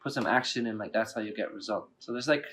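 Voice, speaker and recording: A man's voice: on the low side, fast talker, fairly bright tone. A man in his late thirties hosting an interview, enthusiastic and chatty, filling his speech with "like". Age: 30s. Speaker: podcast host. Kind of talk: casual interview talk.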